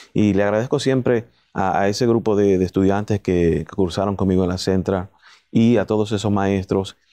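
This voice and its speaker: A man's fairly low, dark, mellow voice at a moderate pace, with fairly even intonation and very even loudness against a quiet background. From Dominican Republic (Santiago); Dominican Republic. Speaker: school superintendent; interview guest. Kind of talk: interview. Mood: calm, reflective. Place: studio. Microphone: lapel.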